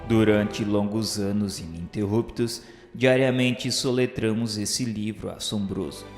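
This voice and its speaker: A man acting as a repentant male spirit with a Brazilian accent narrates a radio drama in a mid-pitched voice. He is solemn and full of awe, declaiming grandly with dramatic pauses. The voice rings with long hall reverb over music. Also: lightly acted.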